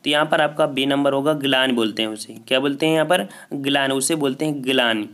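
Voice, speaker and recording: A man's voice: medium pitch, fast talker, fairly bright tone. A man teaching exam prep, going through a grammar test and repeating each answer with a check-in. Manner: repeats each answer and asks it back with "ठीक है". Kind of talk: solving a Hindi grammar test paper aloud.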